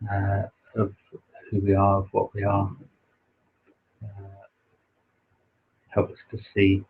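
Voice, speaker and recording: Quiet, hesitant man with a husky voice. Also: low voice. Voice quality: naturally quiet voice. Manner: soft-spoken, hesitant, many pauses and fillers. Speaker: livestream host reading aloud. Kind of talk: slow contemplative reading of a spiritual text. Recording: dull lo-fi livestream audio.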